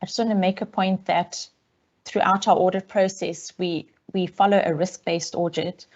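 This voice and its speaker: A woman auditor, heard over a video call line, gives a measured, businesslike briefing to a council committee, with frequent ums. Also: on the low side, steady tone, darkish tone. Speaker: external auditor presenting a report. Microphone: remote call audio. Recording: dull, lo-fi call audio.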